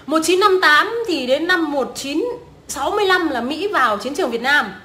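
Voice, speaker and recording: Young woman, high bright voice, crude swearing rant, echoey room. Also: animated, moderate pace. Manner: crude, scornful, swearing often. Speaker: vlogger. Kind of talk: profane ranting commentary.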